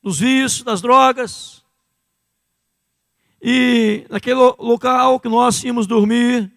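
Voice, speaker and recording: A middle-aged Brazilian man with a Brazilian Portuguese accent, preaching fervently in a church, dropping to hushed low phrases and rising to loud cries. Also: steady tone, slow, no room sound, long reverb tail. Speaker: pastor. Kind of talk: sermon. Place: church sanctuary.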